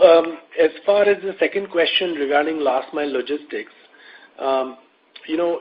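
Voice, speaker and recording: A male company executive with a fairly high voice explains business matters on an investor call. He is measured and methodical, laying things out step by step. The audio is muffled, like a conference line.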